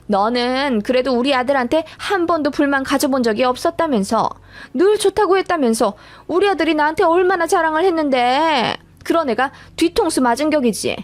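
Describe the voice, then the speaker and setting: A woman's voice: high voice, animated, brisk. Woman putting on a nagging older mother-in-law. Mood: scolding. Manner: nagging, accusatory lecturing. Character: scolding older mother-in-law, spiteful and overbearing. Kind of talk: radio story acting.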